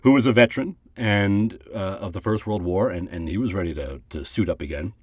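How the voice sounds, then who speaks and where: Man, podcast host, very deep voice, husky, dry close sound, halting and laughing. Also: no room sound. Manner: halting, quick to laugh and affirm. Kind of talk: casual chat.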